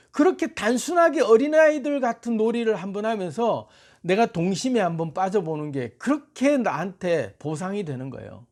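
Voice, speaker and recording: A man giving a motivational talk in a playful, animated way. He laughs often and keeps urging his listeners on. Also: high voice. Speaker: motivational speaker.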